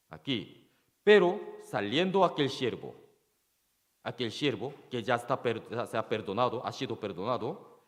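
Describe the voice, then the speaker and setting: Male pastor giving a sermon in a church; slow, halting delivery with a lively, up-and-down pitch. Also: big-room sound. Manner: halting, with frequent rhetorical questions to the congregation; repeats key phrases for emphasis.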